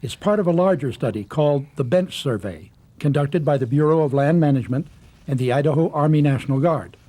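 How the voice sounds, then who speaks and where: A man's voice: a little high, expressive, brisk, warm tone. A man reading scripted narration for a nature documentary, with outdoor ambience behind him.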